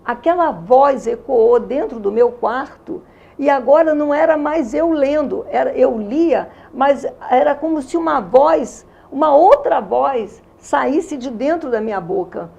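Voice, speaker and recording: A woman's voice: high-pitched, lively intonation, a little slow, gravelly, dark tone, muffled recording. A woman in her sixties with a Carioca accent, earnestly and emotionally telling her faith testimony in an interview. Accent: Carioca Brazilian Portuguese. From Rio de Janeiro, Brazil. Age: 60s. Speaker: interview guest giving a testimony. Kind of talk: religious testimony in conversation.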